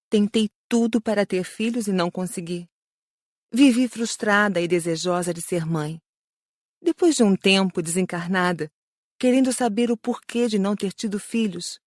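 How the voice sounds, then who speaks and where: A woman's voice: fairly low pitch, a little mellow, no echo, clean studio sound, lightly acted. A woman playing a remorseful female spirit in a dramatised audiobook, confessing in a reflective way.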